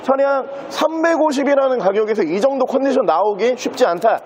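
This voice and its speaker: A man with a very high-pitched voice presents a used car as its dealer. He delivers a fluent sales patter, moving through the walkaround like a practised car salesman. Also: lively intonation, brisk, a little mellow, a little hiss or hum.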